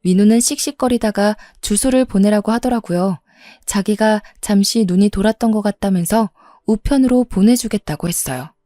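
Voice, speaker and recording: Mellow woman telling a story. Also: mid-range voice, moderate pace, no room sound, studio quality. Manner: steady confiding retelling. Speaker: story narrator. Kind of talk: first-person storytelling narration.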